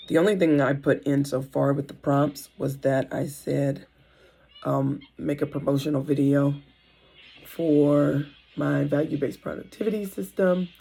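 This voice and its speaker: A woman with a raspy, hoarse voice from a sore throat, rambling and thinking aloud in a casual vlog at home, filmed on a phone. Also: deep voice, steady tone, unhurried, dark tone, poor audio. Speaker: vlogger and mom entrepreneur. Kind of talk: casual talking-to-camera vlog. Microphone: phone on a tripod. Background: faint kids' show audio.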